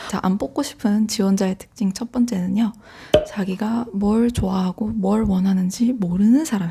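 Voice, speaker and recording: Soft-spoken and calm, a woman speaks at a moderate pace and medium pitch, her tone dark and mellow, somewhat breathy, with ordinary pitch variation. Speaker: coding educator and job interviewer. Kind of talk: advice talk to camera. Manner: calm, soft ASMR-like delivery; usually very energetic.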